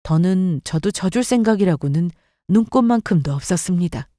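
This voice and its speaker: A woman's voice: fairly low pitch, expressive, normal speed, warm tone, no room sound, clean studio sound. A woman narrating a first-person story with bitter, resentful telling, in scripted radio style.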